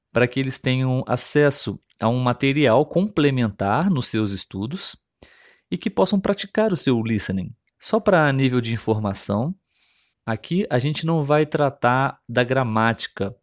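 Recorded dry in a clean studio, a friendly thirtysomething man from Rio de Janeiro state in Brazil hosts a scripted solo podcast. His mid-range voice is animated, yet he keeps his delivery clear and unhurried for language learners.

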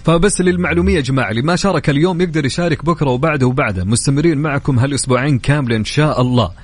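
A man's voice: fairly high pitch, rapid-fire, breathy edge. A man with a Saudi accent hosting live radio, effusive, welcoming and colloquial, chatting through contests and announcements. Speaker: radio show host. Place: radio studio. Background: music bed.

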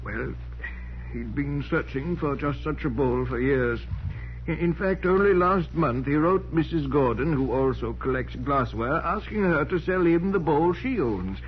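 An actor playing a deferential, precise household servant, speaking politely and gravely in 1940s radio drama style. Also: male voice, on the high side, lively intonation. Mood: grave recounting. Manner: polite, formal, measured. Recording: muffled, noisy 1940s radio recording.

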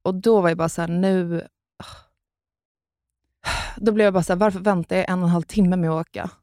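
A woman's voice: lowish voice, steady tone, mellow, no echo, clean studio sound. A young woman co-hosting a podcast, telling a personal story in casual chat and swearing freely. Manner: candid, swears a lot, retells with "jag bara". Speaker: podcast co-host.

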